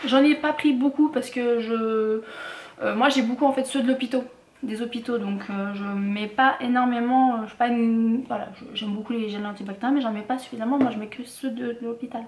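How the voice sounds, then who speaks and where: Woman vlogger, casual and rambling, slightly high voice, roomy echo. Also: fairly even intonation, fairly quick, a little mellow. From France. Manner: chatty, many fillers and restarts. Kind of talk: casual haul vlog.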